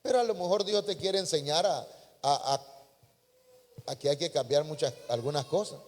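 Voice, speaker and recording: A man's voice: fairly high pitch, normal speed, darkish tone. A man preaching a folksy sermon, calling listeners brother. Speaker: pastor. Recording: long hall reverb.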